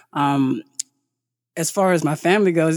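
A woman with a Southern US accent speaks with lively intonation. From South Carolina. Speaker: androgynous model. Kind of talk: casual chat.

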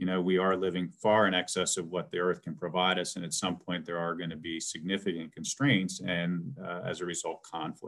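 A man speaks with a very deep, low pitch. His pace is fairly quick, with hardly any pauses. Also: fairly even intonation. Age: 50s. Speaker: environmental activist and filmmaker. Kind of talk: interview. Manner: halting, many fillers.

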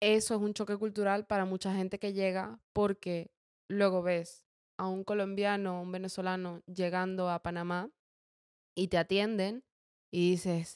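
At a fairly slow pace, a woman speaks in a monotone, flat intonation with a dry, close sound free of echo. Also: medium pitch for a woman, very clean recording, silent background. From Panama, Venezuelan family. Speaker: podcast co-host. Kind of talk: casual chat.

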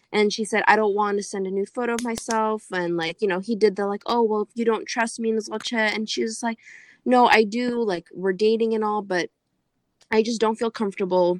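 In a dry, close sound with no echo and a quiet background, a woman with a plain, everyday voice speaks at a fairly high pitch with fairly even intonation. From Kurdish background, lives in Minnesota. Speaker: podcast co-host. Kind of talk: casual podcast conversation.

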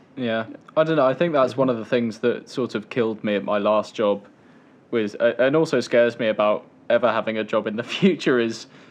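A man talks at a medium pitch and a fairly quick pace, with an unremarkable speaking voice. His pitch varies in an ordinary way against a quiet background. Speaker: PhD student. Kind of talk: casual chat.

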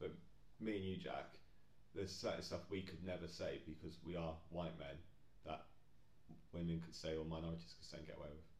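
A man with a British accent, very deep low pitch, monotone flat intonation, a somewhat breathy voice, and long, frequent pauses. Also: fairly quick pace. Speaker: podcast host. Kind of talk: casual banter.

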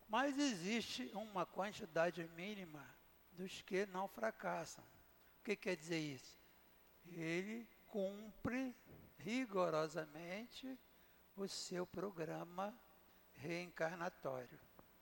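A high-pitched man speaks at a very slow pace with lively intonation and long, frequent pauses. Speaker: spiritist lecturer. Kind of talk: lecture.

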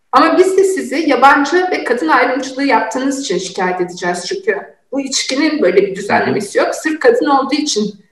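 Very wide pitch swings in a woman's high voice, moderately paced. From Turkey. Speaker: puppeteer. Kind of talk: casual chat. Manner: halting.

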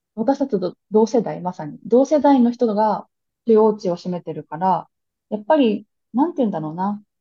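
Her loudness swings widely as a woman speaks at a moderate pace. Her voice is somewhat breathy and fairly high. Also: lively intonation. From Japan, Tochigi. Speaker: embassy public relations officer. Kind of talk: casual interview chat.

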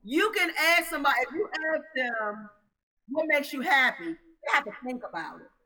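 In an American accent, a woman with a high pitch projects a raised voice, using lively intonation at a moderate pace. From Washington DC area. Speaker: healing coach. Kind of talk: casual chat. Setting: live online broadcast.

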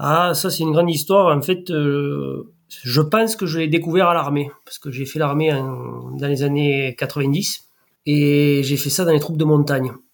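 At a fairly slow pace, a man with a normal speaking voice talks at a fairly high pitch with fairly even intonation. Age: 40s. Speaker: amateur trail runner and public works manager. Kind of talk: interview storytelling.

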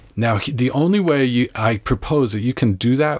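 With an American accent, this speaker talks at a fairly quick pace with lively intonation. It is an ordinary speaking voice. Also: man. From Connecticut (Greenwich). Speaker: meditation teacher. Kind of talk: casual interview. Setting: vintage pop-up camper on a farm.

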